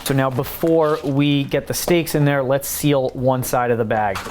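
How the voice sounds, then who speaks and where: A man's voice: mid-range voice, fairly even intonation, moderate pace, noisy background. A man hosting a home cooking tutorial, chatting casually and explaining each step as he works in his kitchen. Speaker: home cooking channel host.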